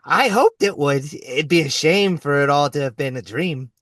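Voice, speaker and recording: A man's voice: a little high, moderate pace, fairly bright tone, dry recording, clean studio sound, close to an everyday voice. A man playing a nebbishy, wry writer of Broadway musicals in an audio play. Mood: wry, weary. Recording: distant from the mic.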